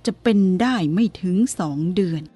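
A woman voicing a calm, blunt elderly abbot who speaks plainly and firmly. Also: faint music behind, close to an everyday voice. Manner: plain-spoken, firm, unhurried.

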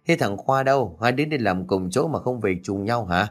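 A man voicing a gentle, frail elderly mother who wails in grief. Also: on the low side, lively intonation, moderate pace, soft background music. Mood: warm.

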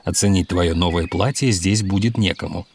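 A man playing a doctor out mushroom picking, who explains safety rules calmly and patiently. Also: low-pitched, normal speed, slight background noise. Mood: instructive. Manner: calm, instructive, explains patiently.

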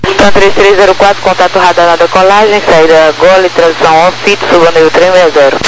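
Male air traffic controller, Brazilian accent, high voice, clipped phraseology, noisy radio transmission. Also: level tone, fast talker. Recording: noisy aviation radio channel.

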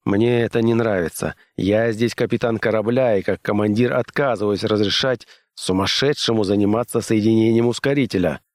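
A man's voice: fairly low pitch, moderate pace, few pauses, no room sound, studio quality, lightly acted. A male audiobook reader voicing a stubborn starship captain in a blunt, nearly plain voice.

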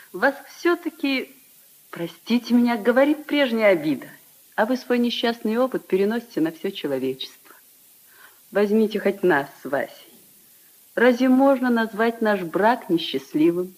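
An actress playing a gentle young married noblewoman who speaks earnestly and softly pleads, in a 1950s radio play. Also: mid-range voice, lively intonation, normal speed, natural voice, poor audio. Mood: earnest pleading.

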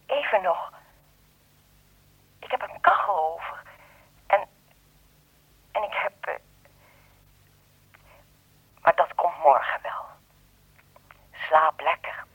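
Dry close radio drama, a husky old lady, lonely and gently insistent. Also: lowish voice, lively intonation, takes it slowly, pauses often, dry recording, narrow, tinny audio, exaggerated voice. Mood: tender, concerned. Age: older. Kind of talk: radio play dialogue.

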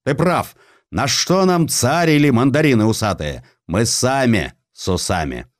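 A man's voice: mid-range voice, lively intonation, measured pace, no room sound, studio quality, voice pushed up, lightly acted. A man voicing rowdy, coarse Russian vagabond gold diggers who bawl their slangy replies in an audiobook story. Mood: defiant, rowdy. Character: rowdy crowd of rough Russian gold-digging vagabonds, bawling.

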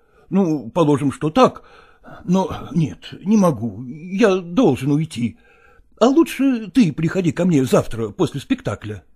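A man's voice: on the high side, sing-song, a little slow, a little mellow, breathy edge, full character voice. A man reading aloud, voicing an evasive actor who nervously wriggles out of his lover's pleas. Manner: evasive, flustered, sighing.

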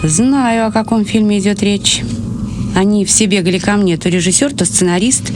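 A woman's voice: mid-range voice, noisy background, lightly acted. An actress playing a hospitable, wistful old woman in a radio drama, reminiscing with old-fashioned courtesy.

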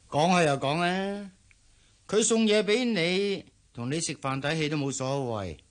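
A money-minded middle-aged dad, Hong Kong Cantonese accent, scornful and lecturing, fairly high voice that swings up and down. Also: male voice, animated, measured pace. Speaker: father. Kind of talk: radio drama acting.

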